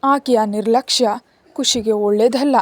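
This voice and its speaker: A woman narrating a spoken story in a calm, even storytelling manner. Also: on the high side, moderate pace, no echo.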